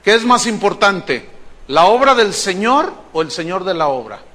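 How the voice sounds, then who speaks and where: A pastor preaching with lively storytelling and acting out the voices of the people in his anecdote. His voice sits high and rings bright. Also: normal speed. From Mexico. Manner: animated storytelling, mimics voices in quoted dialogue. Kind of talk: sermon with acted-out anecdote.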